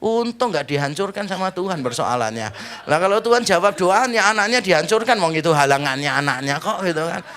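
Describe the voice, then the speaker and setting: A middle-aged man preaching a sermon as pastor, lively and joking, shifting between loud exclaims and slow, quiet emphasis. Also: sits high.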